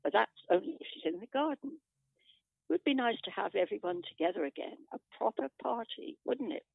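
A woman's voice: fairly high pitch, big pitch swings, a little fast, creaky, slightly rough, dry recording, heavily acted. A woman playing a gossipy older British wife who rambles and nags her husband in a radio drama. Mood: nostalgic. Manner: rambling, gossipy, tag questions. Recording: muffled tinny phone line.

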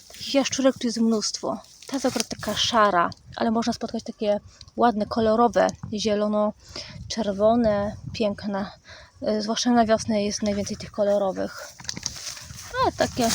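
A woman chatting casually as she films a walk outdoors, talking to viewers and cooing loudly to her dog. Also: mid-range voice, a little hiss or hum. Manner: coos in a loud sing-song baby voice to her dog; calm, unhurried chatty commentary. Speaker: vlogger. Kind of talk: casual walking vlog. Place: outdoors in the countryside and a garden plot.

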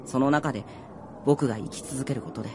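An actor playing a gentle young fallen soldier in a radio drama, speaking politely and earnestly. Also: male voice, medium pitch, a little fast, background noise, close to an everyday voice. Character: gentle, earnest dead young male soldier, now a spirit. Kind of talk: Japanese radio drama acting. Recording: music behind the voice.

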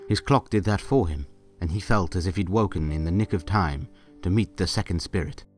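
A man's voice: low-pitched, a little fast, soft background music. A man narrating a fan audio drama in a playful storybook style, with wry, jokey asides.

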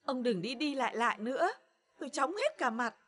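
A woman's voice: sits high, lively intonation, brisk, fairly bright tone. An actress playing a worried older grandmother who frets and pleads in a television drama. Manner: fretful and pleading. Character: worried grandmother, anxious and tearful. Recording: television drama with clear background noise.

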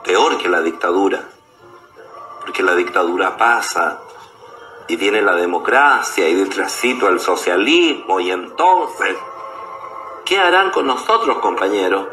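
Man playing slow, deep, defiant gay poet. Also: animated, pushed and bright, exaggerated voice. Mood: defiant, bitter. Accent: Chilean. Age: older. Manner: deliberate, declamatory. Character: defiant, proud ageing gay poet and outcast. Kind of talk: declaimed radio theatre monologue. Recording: roomy echo with music behind.

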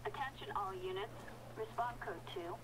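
A woman playing a brisk police dispatcher making radio announcements in a game. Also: medium pitch, husky, poor audio. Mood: official.

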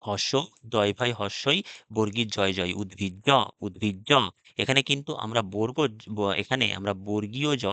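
A man's voice: fairly low pitch, normal speed, creaky, fairly bright tone, dry recording. A male teacher giving a spelling lesson for exam students, spelling each word out letter by letter and repeating it.

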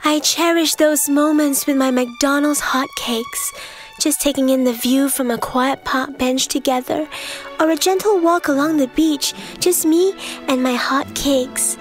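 A woman's voice: sits high, measured pace, soft background music. A woman playing a dreamy, lovestruck romantic in an advert. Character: dreamy woman smitten with her breakfast.

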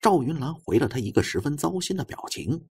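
A man reading a suspense novel as an expressive audiobook narrator, with a husky voice. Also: fairly high pitch, brisk.

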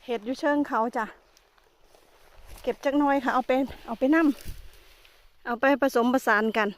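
A woman with an Isan Thai accent narrates a casual vlog outdoors in a forest, exclaiming often. Her voice is high and steady, and she speaks at a measured pace.

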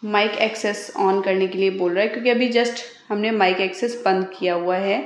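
A woman's voice: mid-range voice, fairly even intonation, moderate pace, a little hiss or hum. A woman hosting a step-by-step phone tutorial, talking in an instructional way as she demonstrates. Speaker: host of phone tutorial videos. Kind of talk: step-by-step tech tutorial narration. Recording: roomy, echoey voice recording.

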